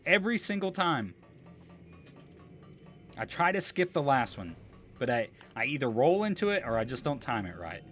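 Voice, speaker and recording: A man's voice: mid-range voice, sing-song, moderate pace, long pauses, fairly bright tone, faint music behind. A man live streaming a video game, giving casual, slangy commentary and chatting with viewers, with some swearing. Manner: slangy, profane, informal.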